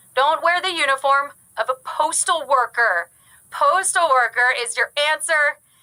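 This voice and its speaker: Raised and projected, a woman's high voice carries a bright, sharp, upbeat and energetic tone with lively intonation at a fairly slow pace. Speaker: game show host. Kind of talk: live trivia game show hosting. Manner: upbeat, energetic.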